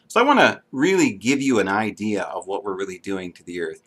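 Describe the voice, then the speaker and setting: Bright-voiced man preaching a monologue. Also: on the low side, sing-song, fairly quick. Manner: earnest, preachy, with frequent ums and restarts. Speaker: video blogger. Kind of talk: unscripted monologue to camera.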